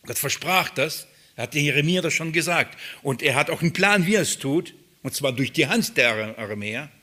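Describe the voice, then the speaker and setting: A man preaching an expository sermon, leaning hard on rhetorical questions. His voice sits a little high and rings bright and forceful. His pulpit delivery is emphatic and searching. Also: animated, brisk.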